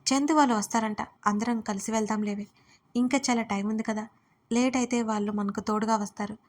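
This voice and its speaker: A woman's voice: a little high, steady tone, fairly quick, slight background noise, natural voice. A woman voicing an easygoing young female friend in an audio story, coaxing and eager.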